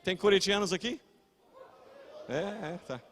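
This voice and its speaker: High-voiced older preacher shouting his points. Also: lively intonation, unhurried, in a large hall. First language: English. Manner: fiery preaching with shouted peaks, chatty storytelling and self-corrections. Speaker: pastor. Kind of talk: sermon.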